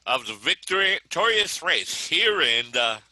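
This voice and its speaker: A man's voice: fairly high pitch, very animated, moderate pace, sharp tone, no room sound, full character voice, low-quality recording. A man acting a pompous, theatrical sports commentator who gives grandiose mock commentary in a comic script read. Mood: pompous, mock-solemn.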